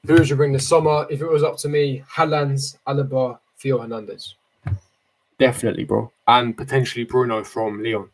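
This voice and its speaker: A man's voice: mid-range voice, little pitch movement, fairly quick, low-quality recording. A man, chatting casually and giving slangy, opinionated answers to viewers on a livestream, repeating himself for emphasis. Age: 18, late teens. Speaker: football fan streamer. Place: small bedroom, indoors. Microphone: desk microphone close in front.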